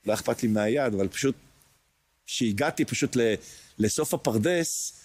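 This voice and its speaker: A man in his sixties tells his story as an interview guest, pausing often and searching for the right words. His voice sits at a middle pitch. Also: lively intonation, darkish tone, breathy edge. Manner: hesitant, searching for words, many pauses. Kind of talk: emotional personal testimony.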